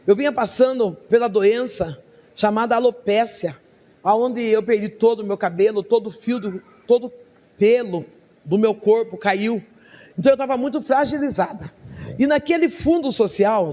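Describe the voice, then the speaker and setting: A woman pastor preaching a sermon, telling her story with lively, acted-out dialogue and frequent laughs. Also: on the high side, normal speed, in a large hall. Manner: laughs often between phrases.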